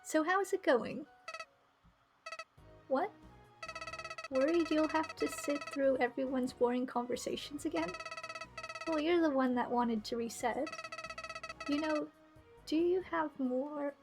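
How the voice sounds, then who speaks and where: A woman's voice: high voice, lively intonation, takes it slowly, long pauses, heavily acted. A woman voicing a small talking flower in a game, a falsely sweet villain with a mock-friendly, needling manner. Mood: taunting. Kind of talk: visual novel character read aloud. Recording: music behind the voice.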